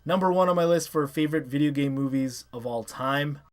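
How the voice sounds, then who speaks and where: A man's voice: fairly high pitch, a little fast. A man around his thirties or forties giving casual, opinionated countdown commentary as an enthusiastic fan and online review host.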